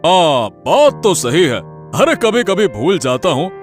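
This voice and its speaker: Guy voicing a good-natured village husband, kinda high, bouncy, bit teasing. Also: very animated, unhurried, soft background music. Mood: easygoing. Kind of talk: cartoon voice acting.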